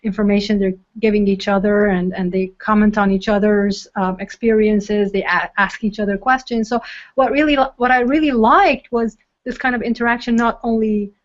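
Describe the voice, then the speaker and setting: A woman's voice: medium pitch, fairly even intonation, normal speed. A woman in her forties giving conversational interview answers as a guest on a muffled web call. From born in Iran, moved to the US aged three, grew up in expat family. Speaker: guest, consultant and university lecturer. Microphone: online video call.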